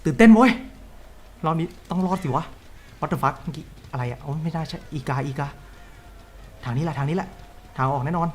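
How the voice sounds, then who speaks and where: A man with a strikingly high voice commentates his own gameplay for viewers. He swings between hushed tension and yelping, swearing panic, with a faint hiss of noise underneath. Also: a little fast, long pauses. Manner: excitable, swears and yelps in panic; talks to viewers while playing. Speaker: gaming channel host. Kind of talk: excited let's-play commentary.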